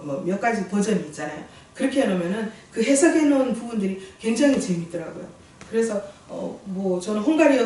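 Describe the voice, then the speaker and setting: A middle-aged woman, preaching a sermon as a missionary in lively storytelling with jokes for the congregation. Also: medium pitch, a little hiss or hum. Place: church sanctuary. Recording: very echoey church hall, distant mic.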